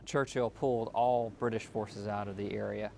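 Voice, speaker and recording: A man explaining the history of the region in a measured documentary interview. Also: lowish voice, fairly even intonation, vocal fry, darkish tone, faint music behind. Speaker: historian commentator.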